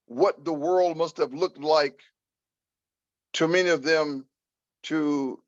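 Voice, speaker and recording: An older American man answering an audience member at a talk, speaking deliberately and repeating phrases for emphasis. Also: a little high, no room sound, highs cut off.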